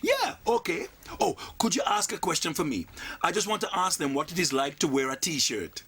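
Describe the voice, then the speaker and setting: A man's voice: fairly high pitch, big pitch swings, moderate pace, a bit bright, husky, full character voice. A man doing a whiny cheeky sidekick. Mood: pleading.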